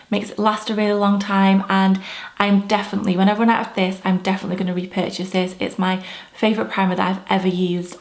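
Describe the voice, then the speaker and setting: A young woman vlogger reviewing makeup to camera in a chatty, gushing way, her voice a bit stuffy from a cold. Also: medium pitch. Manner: chatty, gushing, rambling asides. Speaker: beauty vlogger. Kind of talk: casual product review to camera. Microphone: camera mic.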